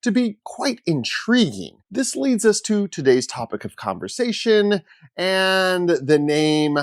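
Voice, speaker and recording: An enthusiastic man hosting a cigar video, reading a playful scripted intro. His pitch rises and falls a lot. The sound is dry and close, with no room echo. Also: big pitch swings, a little slow. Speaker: cigar shop host.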